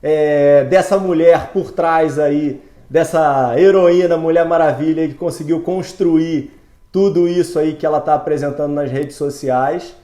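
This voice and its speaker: A man's voice: a little high, fairly even intonation, unhurried, mellow, roomy sound. A Brazilian man who hosts an interview podcast as a doctor, chatty and enthusiastic, full of fillers. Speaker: host, ophthalmologist.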